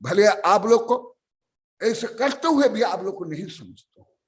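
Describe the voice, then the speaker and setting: A man's voice: high voice, animated, a little slow. A man giving a sermon on scripture in an emphatic, scolding, lecturing manner.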